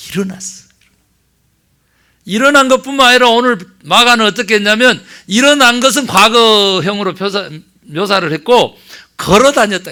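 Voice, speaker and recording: A middle-aged male pastor preaching a sermon, telling a Bible story with acted-out lines and swinging between loud exclamations and hushed asides. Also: high voice.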